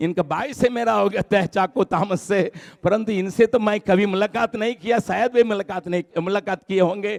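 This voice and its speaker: A man's high voice with a Bihari accent, fairly even intonation, and a dry, close sound with no echo. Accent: Bihari Hindi. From South India. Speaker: preacher. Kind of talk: sermon.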